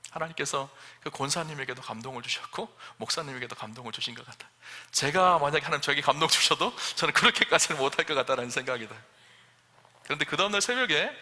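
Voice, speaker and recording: A man's voice: a little high, bright, forceful tone. A middle-aged male senior pastor telling a story in a sermon, acting out the dialogue and rising to emphatic questions. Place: church sanctuary. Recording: long church hall reverb.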